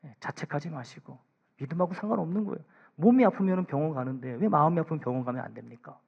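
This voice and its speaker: A man preaching a sermon as pastor in a church, pleading, with hushed asides and raised emphatic lines. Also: on the high side, rapid-fire, vocal fry, slightly rough, dull audio. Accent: Korean. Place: church sanctuary.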